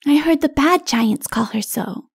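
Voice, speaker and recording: A woman's voice: sits high, animated, measured pace, gravelly, pitched above the performer's own voice, full character voice. A woman voicing a small, innocent child in a storybook, anxious and trusting, with an earnest, pleading way of talking. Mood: earnest wonder.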